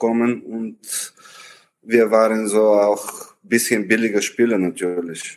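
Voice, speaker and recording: Speaking very slowly, a man with a Bulgarian accent uses a fairly low pitch. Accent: Bulgarian, foreign. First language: Bulgarian (speaking German). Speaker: former footballer. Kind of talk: casual interview. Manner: halting.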